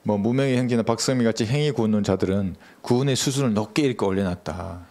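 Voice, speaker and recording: A man preaching a sermon as pastor, speaking in a measured, earnest way and asking the congregation questions. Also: lowish voice, a little mellow.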